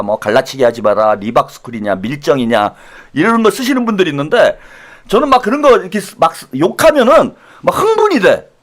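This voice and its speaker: A man hosting his own channel, telling a self-mocking satirical monologue, dropping to low asides and rising to loud outbursts. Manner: animated, self-mocking, jumps between low asides and loud mock-quotes. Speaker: channel host.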